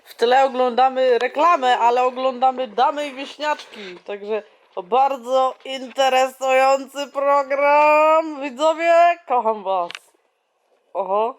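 A woman's voice: high-pitched, slow. A woman vlogging at home with her baby daughter, exclaiming, laughing and talking both to the child and to the viewers. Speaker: vlogger mother. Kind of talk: casual home vlog. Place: home indoors.

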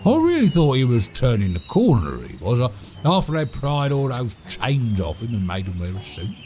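An actor playing a chatty, cheerful manor servant in an audio drama, with a British accent and a rambling, stammering, chuckling delivery. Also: male voice, medium pitch, huge pitch swings, moderate pace, darkish tone, a little hiss or hum. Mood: rueful, amused. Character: chatty, cheerful, oft-killed manor servant named Todd.

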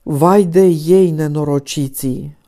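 A woman voicing a kindly old prince. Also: deep voice. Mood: sympathetic. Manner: warm, measured, sighing. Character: older nobleman father, kindly and blunt.

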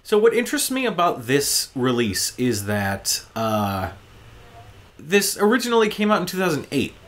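A man's voice: fairly high pitch, huge pitch swings, moderate pace, a bit bright. A man hosting a gaming show, giving casual gameplay commentary in an informal, enthusiastic fan's manner.

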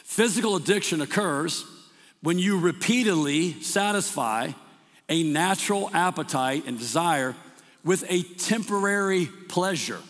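Man, pastor, sermon, fairly high voice, unhurried, emphatic, long church echo. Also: a bit bright. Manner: emphatic, repeats words and slows down for scripture. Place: church sanctuary. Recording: long hall reverb.

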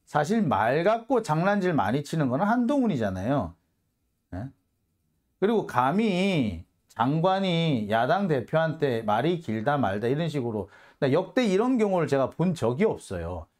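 Angry korean guy ranting politics, high voice jumping all over, sighs and swears a lot. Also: sing-song, moderate pace, darkish tone. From South Korea. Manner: heated, cursing, sarcastic, sighing. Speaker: political commentary host. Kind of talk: angry political commentary monologue.

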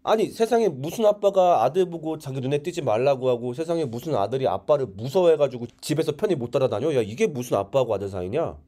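A man's voice: mid-range voice, expressive, fast talker, hardly any pauses, warm tone, lightly acted. A man voicing a young older brother who speaks earnestly and coaxingly to his sibling. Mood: indignant.

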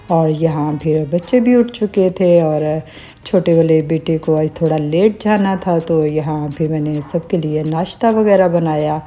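A middle-aged woman narrating her family travel vlog as a calm voice-over, with religious greetings and small hesitations. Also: sits low. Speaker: vlogger.

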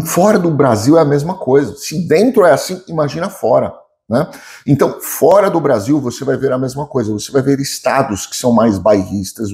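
Brazilian man with a gravelly, mellow voice. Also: mid-range voice. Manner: opinionated, conversational, emphatic repetition. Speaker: lawyer and business commentator. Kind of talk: informal explanatory commentary to camera. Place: home office or study with bookshelves, indoors.

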